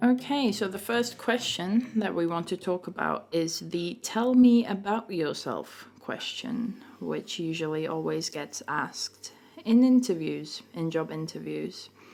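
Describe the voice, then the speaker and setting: Over noticeable background noise, a woman with a Finnish accent talks at a fairly slow pace. Her pitch is medium and her intonation lively. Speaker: podcast co-host. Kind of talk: casual educational podcast chat.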